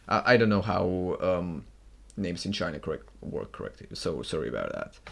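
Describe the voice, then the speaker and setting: With a Polish accent, a man talks at a moderate pace. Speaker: video game commentator. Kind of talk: gameplay analysis commentary. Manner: halting, many false starts.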